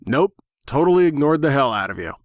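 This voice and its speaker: A man's voice: on the high side, fairly quick, no room sound, studio quality. A man voicing a sarcastic, foul-mouthed, smoking pony with flippant, slangy delivery in a dramatic story reading. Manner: flippant, slangy, animated sparring. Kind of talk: dramatic reading of fan fiction.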